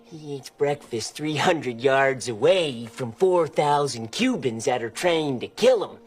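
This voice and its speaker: An actor playing an earnest, intense young military lawyer in a film drama, speaking emphatically. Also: male voice, medium pitch, lively intonation, a little slow, breathy edge, faint music behind. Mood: intense conviction.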